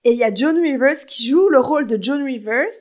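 A woman hosting a podcast in casual chat, playful and teasing and quick to laugh. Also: high voice, lively intonation, a little mellow. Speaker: podcast host.

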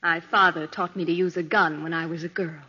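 An actress playing a cold, commanding thief with an imperious, menacing manner in 1940s radio drama. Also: female voice, fairly low pitch, fairly even intonation, fairly quick, bright, forceful tone, husky. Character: cold, commanding female thief holding a gun. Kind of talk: 1940s radio villain acting. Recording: dull, echoing vintage radio recording.

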